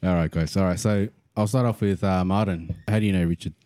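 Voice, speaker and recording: A man hosting a casual chat, relaxed and brief as he asks questions. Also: low-pitched, fast talker, no echo. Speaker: host.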